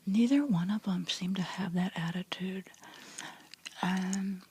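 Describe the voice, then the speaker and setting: A middle-aged woman whispering softly to her viewers in a rambling vlog chat, full of restarts and fillers. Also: medium pitch, measured pace, slight background noise. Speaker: vlogger.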